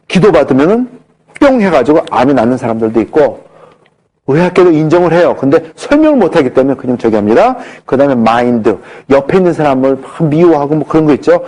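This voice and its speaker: A middle-aged man giving a health lecture, telling stories and acting out the dialogue in them. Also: mid-range voice. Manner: animated, acts out dialogue in his anecdotes.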